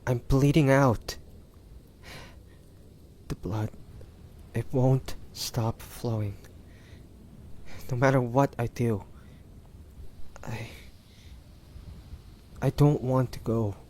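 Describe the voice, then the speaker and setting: Guy doing a hurt devoted young hunter for an audio roleplay, really slow n breathy, pained halting delivery, bit of noise behind. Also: mid-range voice, steady tone, a little mellow. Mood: tender, dying. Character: wounded, devoted young male demon hunter, tender and desperate. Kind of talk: dramatic audio roleplay acting.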